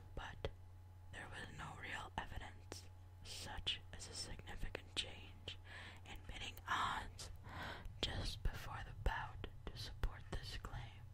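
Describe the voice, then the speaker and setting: A woman's calm whispering in an American accent, at a very slow pace, with big swings in loudness. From United States. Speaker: ASMR creator. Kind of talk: history reading. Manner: soft-spoken, calm.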